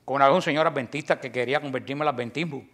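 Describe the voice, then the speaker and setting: A middle-aged Cuban man talking as a Catholic preacher, forceful and emphatic, with joking asides and sudden drops to a low voice. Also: rapid-fire. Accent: Cuban Spanish. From Cuba. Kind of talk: impassioned religious talk.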